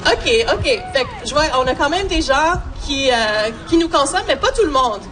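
A woman's voice: sits high, lively intonation, moderate pace, over music, a crowd in the background. A woman addressing an audience at an event. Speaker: speaker addressing crowd. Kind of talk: public address.

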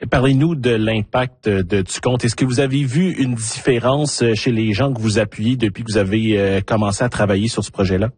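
A man hosting a radio interview, asking polite, measured questions. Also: on the low side, steady tone, darkish tone, slightly rough, no room sound.

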